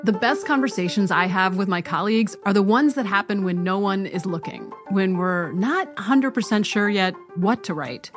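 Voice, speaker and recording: A woman introducing a podcast in a measured, conversational tone. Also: mid-range voice, animated, music in the background. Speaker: podcast promo host. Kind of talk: scripted promo.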